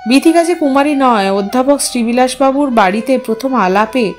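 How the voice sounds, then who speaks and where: A woman reading a literary story aloud as an expressive narrator. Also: high voice, normal speed, faint music behind.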